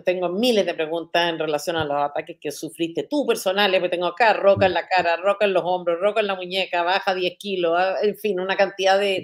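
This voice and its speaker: A woman interviewing a guest, asking quick, direct questions. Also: on the low side.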